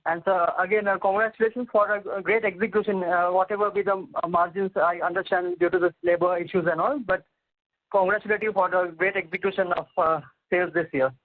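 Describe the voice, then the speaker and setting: A man's voice: high-pitched, fairly even intonation, brisk. A man with an Indian accent, an individual investor calling in with deferential questions. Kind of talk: deferential questioning on earnings call. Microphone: telephone. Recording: tinny telephone line.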